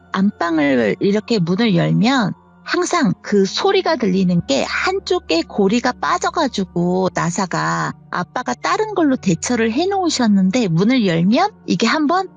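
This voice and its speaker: A woman's voice: medium pitch, sing-song, normal speed, vocal fry, slightly rough, highs cut off, soft background music. A woman in her fifties telling her own horror story in a chatty, conversational way, acting out the voices of the people in it.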